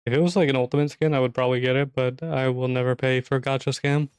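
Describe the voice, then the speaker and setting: A man's voice: mid-range voice, fairly even intonation, fast, a little mellow, clear, resonant tone, no echo. A streamer man losing his voice. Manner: chatty, offhand, swears, self-interrupting. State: losing his voice, clearing throat. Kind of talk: casual gameplay commentary.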